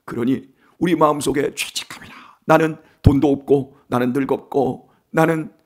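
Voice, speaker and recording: A male pastor giving an early-morning sermon in a conversational way, asking the congregation questions and moving between quiet asides and emphatic declarations. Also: mid-range voice, fairly even intonation, normal speed. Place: church sanctuary.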